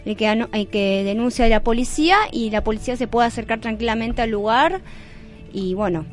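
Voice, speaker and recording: A woman's voice: fairly high pitch, fairly even intonation, fairly quick, soft background music. A woman with an Argentine accent co-hosting a radio talk programme. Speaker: radio co-host.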